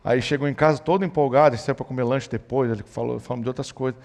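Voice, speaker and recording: A man's voice: medium pitch, very fast, creaky. A man, a pastor telling a family story in a church talk on parenting. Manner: storytelling, animated when quoting his son.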